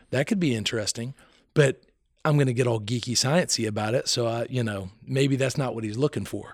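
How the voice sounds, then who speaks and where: A man talks in a normal speaking voice at medium pitch and a fairly quick pace, with ordinary pitch variation on a very clean recording with a silent background. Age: 40s. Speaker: biology teacher and baseball coach. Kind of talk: casual chat. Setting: school building at night.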